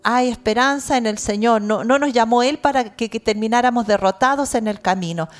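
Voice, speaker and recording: A middle-aged Chilean woman preaches a sermon, her voice sitting a little high. She speaks earnestly, often dropping an amen or a cierto, and livens her stories by shouting out lines. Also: fairly quick. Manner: animated storytelling, shouting out imitations. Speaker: pastor.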